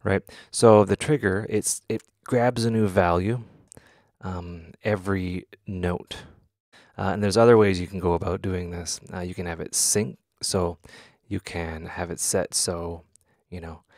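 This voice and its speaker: A man hosting a software tutorial in casual talk, halting and thinking aloud as he demonstrates. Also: deep voice, fairly even intonation, no room sound, studio quality. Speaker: tutorial host.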